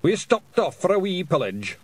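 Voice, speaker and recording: Guy doing a courteous tiny fairy fella, higher voice, measured, storybook. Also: very animated, husky, full character voice. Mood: earnest. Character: small fairy man, polite and solemn.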